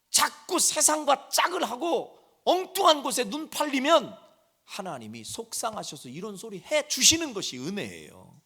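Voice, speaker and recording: A middle-aged man preaches in a church sanctuary with a high, bright voice that leaps around in pitch. He dramatizes his points, switching into the voices of scolding parents and pleading children. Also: slightly rough. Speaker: senior pastor. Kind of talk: sermon.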